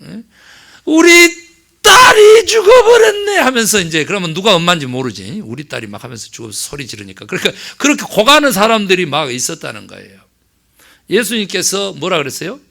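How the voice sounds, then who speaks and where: Lively, gravelly male pastor preaching. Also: fairly high pitch, fast talker. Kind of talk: sermon.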